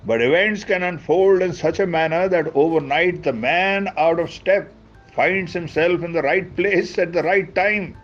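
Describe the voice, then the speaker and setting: A man with a South Asian accent giving an expressive book reading, with informal asides in mixed languages. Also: high voice, unhurried, faint music behind. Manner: expressive, mixes Hindi asides into English. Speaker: storyteller, book reader. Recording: dull, lo-fi sound.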